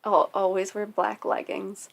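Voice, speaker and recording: A young woman streaming from home, chatting quietly and softly while she draws, with lots of hesitant ums, into a cheap desktop condenser mic. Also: mid-range voice, little pitch movement, a little slow, creaky. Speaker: art streamer. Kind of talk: casual chat while drawing. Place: at home, family nearby.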